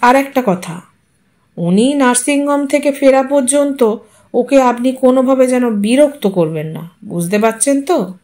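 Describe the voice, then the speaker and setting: A woman voicing a businesslike middle-class husband who instructs and placates in a measured way in an audio story. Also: sits high, dark tone. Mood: firm.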